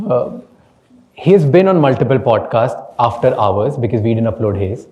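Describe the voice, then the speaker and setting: A man's voice: medium pitch, expressive, normal speed, highs cut off. A man with an Indian accent whose first language is Hindi, a podcast host speaking candidly on a panel, slipping between English and Hindi and laughing often. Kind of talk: panel talk.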